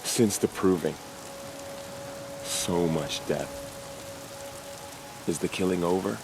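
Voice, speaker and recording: A man playing an earnest, battle-weary young tribal warrior in a video game, solemn and deliberate. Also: sits low, gravelly, over music, full character voice. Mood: somber. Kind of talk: video game cutscene acting.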